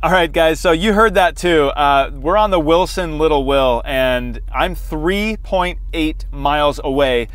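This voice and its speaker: A man's voice: a little high, unhurried, hardly any pauses, fairly bright tone, a little hiss or hum. A man in his forties hosting a casual product test, talking in a conversational way from inside a car. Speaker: host. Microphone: lapel mic.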